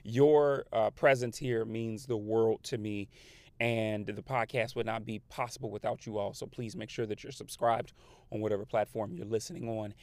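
A man with an African American accent hosting a motivational podcast in an animated, slangy manner that shifts between registers. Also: lowish voice, moderate pace. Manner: animated, slangy, code-switching. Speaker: podcast host.

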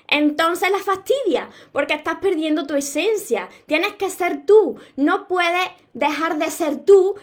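A woman from Córdoba with an Andalusian accent, giving an earnest, encouraging motivational talk to her viewers on a live stream. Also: high-pitched. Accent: Andalusian Spanish. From Córdoba, Andalusia, Spain. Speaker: motivational content creator and author.

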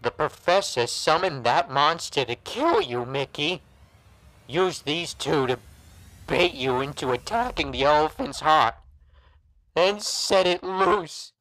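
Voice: mid-range voice, expressive, a bit bright, no echo, rough recording. An actor playing a monstrous creature posing as a gangster's trusted friend in a noir horror audio drama, insistent and coaxing. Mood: insistent, grave. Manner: slow, deliberate, insistent, coaxing.

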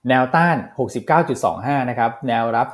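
A man working as a market analyst on a financial talk show, speaking at a quick clip in a mid-range voice. His delivery is chatty and loose, peppered with polite particles. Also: mid-range voice, expressive.

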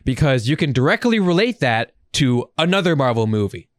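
Guy podcaster rambling excitedly, swears and uses slang, mid pitch, dry close audio. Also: brisk, dry recording. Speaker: podcast host. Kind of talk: casual, profane conversation.

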